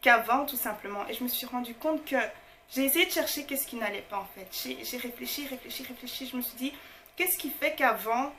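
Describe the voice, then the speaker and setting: A woman's voice: on the high side, a little fast, pushed and bright, a little hiss or hum. A woman speaking in casual, motivational talk to her viewers, emphatic and informal, repeating her key phrases. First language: not French. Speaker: motivational online host.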